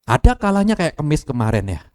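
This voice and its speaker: Middle-aged East Javanese male pastor, animated preaching, speaks to the pews. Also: fairly high pitch, fast talker. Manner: animated, addresses congregation directly, mixes Javanese phrases. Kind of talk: lively sermon with acted quotes.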